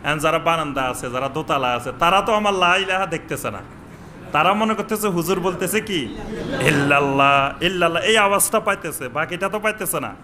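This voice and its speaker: A man preaching a sermon in a mosque, chanting Arabic phrases slowly and questioning his listeners. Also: high voice, pushed and bright. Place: mosque with upper floor and veranda.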